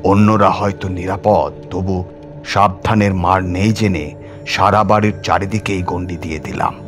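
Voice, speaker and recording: A man's voice: low voice, steady tone, moderate pace. A man narrating a horror audiobook in a theatrical, suspenseful manner. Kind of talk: dramatic scripted horror story narration. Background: music.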